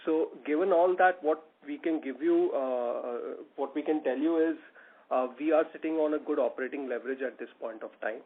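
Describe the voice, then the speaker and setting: A man with an Indian accent, a company executive answering earnings-call questions in a halting, careful way. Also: a little high. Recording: muffled tinny phone conference line.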